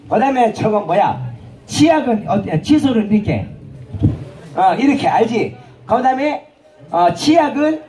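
Male street hawker, high and lively, dark tone, rowdy teasing banter. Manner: bantering, teasing, shouted cues. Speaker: street performer and vendor. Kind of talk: rowdy comic banter with a crowd. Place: outdoor festival stage.

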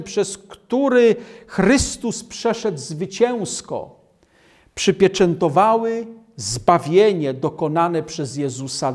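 An older man in his sixties, standing at a lectern in a small hall, preaching a Bible sermon and reading scripture aloud in a measured, emphatic way. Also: high-pitched, a little mellow. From Poland. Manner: measured, emphatic preaching, slowing on key phrases. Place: small hall with world maps behind a lectern.

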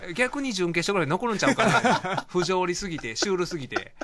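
Fast-talking Kansai man, lively. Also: sits high, a loud crowd. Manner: joking, self-deprecating, often laughing. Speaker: radio show host, lawyer. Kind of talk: casual radio chat. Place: radio studio.

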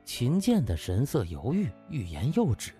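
A man's voice: mid-range voice, wildly swooping pitch, normal speed, dark tone, soft background music. A man narrating a novel as an audiobook in a dramatic storytelling style.

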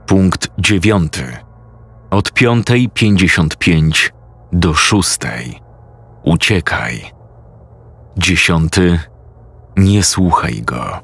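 A man narrating a scripted horror story in a tense, measured voice, close to a studio mic. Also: deep voice, a bit bright.

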